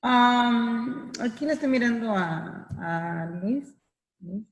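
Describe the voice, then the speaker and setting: A woman's voice: on the high side, lively intonation, takes it slowly, echoey room, long reverb tail. A female student asking her teacher a question hesitantly, restarting her words. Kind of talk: class question.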